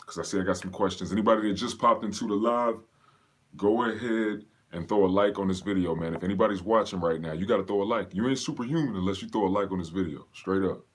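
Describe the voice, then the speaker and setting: A man's voice: low-pitched, quick pace. A man from Pennsylvania, raised in North Carolina, casually hosting a live fitness Q&A and greeting viewers by name in a slangy, laid-back way. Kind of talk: casual livestream chat.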